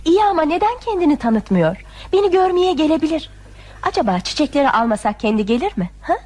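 Old radio play: soft, hesitant young patient full of questions, high voice. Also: female voice, big pitch swings, fast talker. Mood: curious. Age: young adult. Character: young woman patient, gentle and curious. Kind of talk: old radio drama acting.

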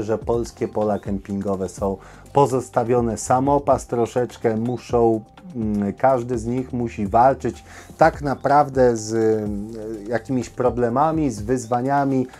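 Guy doing a casual news rundown for viewers, soft mellow tone, mid pitch, opinionated, bit halting. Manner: opinionated, addressing viewers directly. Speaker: host of a camping news show. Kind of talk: informal news commentary to viewers.

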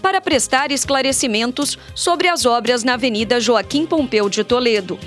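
Woman reading radio news, measured. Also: a little high, a bit bright, soft background music. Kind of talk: read news report. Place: small radio studio. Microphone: studio microphone on arm.

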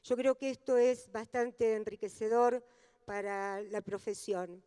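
A middle-aged woman, giving an architecture lecture into a handheld microphone, pausing often with many fillers. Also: mid-range voice, steady tone, dark tone, clean tone. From Argentina. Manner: halting, thinking aloud with many pauses. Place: large stage at an event hall. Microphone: handheld mic at a lectern. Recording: long hall reverb.

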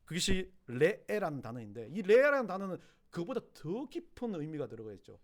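A middle-aged male pastor with a Gyeongsang Korean accent, preaching a sermon, swinging from loud emphatic cries to hushed low asides. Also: sing-song, brisk.

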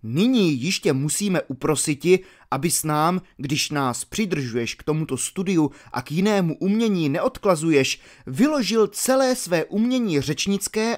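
A man voicing a keen young Roman man in an audiobook reading of a classical dialogue, with a coaxing, insistent delivery. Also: fairly high pitch.

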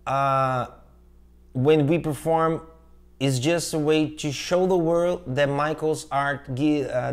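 Earnest Brazilian man speaking English. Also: on the high side. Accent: Brazilian Portuguese. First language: Portuguese. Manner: earnest, halting, frequent uh fillers and restarts. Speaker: channel host, tribute performer. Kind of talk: scripted direct-to-camera introduction. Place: indoor room with shelves of collectible figures.

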